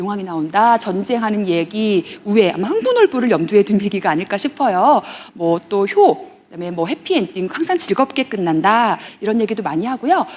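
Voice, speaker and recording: Over noticeable background noise, a woman talks at a fairly quick pace. Her medium-pitched voice has lively intonation. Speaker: literature professor. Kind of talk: public lecture. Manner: fast.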